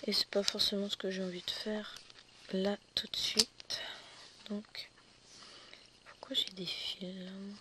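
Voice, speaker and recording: A slightly hoarse woman chatting casually as she stitches, correcting herself as she goes and often dropping to a whisper. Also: medium pitch, level tone, a little slow, long pauses, heavy background noise. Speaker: cross-stitch vlogger. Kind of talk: casual chat while stitching.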